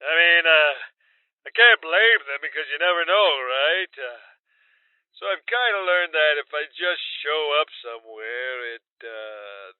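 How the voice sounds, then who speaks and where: Slow, bashful big lonely guy. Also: on the high side, expressive, clean tone, dry recording. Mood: nervous, bashful. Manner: halting, bashful, full of ums and pauses. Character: shy, hesitant, gentle big lonely man leaving a message. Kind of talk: audio drama voicemail monologue. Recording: thin, muffled phone-message sound.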